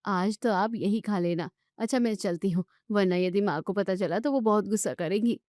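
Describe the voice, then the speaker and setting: A woman voicing a kind, dutiful young daughter-in-law who speaks earnestly and gently. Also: medium pitch, moderate pace, no room sound, clean studio sound, close to an everyday voice. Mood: gentle. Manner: pleading, earnest.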